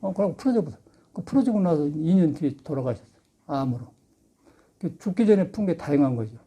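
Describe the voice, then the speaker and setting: Husky-voiced older male monk preaching. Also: fairly high pitch, animated, fast talker, warm tone. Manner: chatty storytelling with laughter. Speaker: Buddhist monk giving a dharma talk. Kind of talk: folksy Sunday sermon. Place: temple dharma hall.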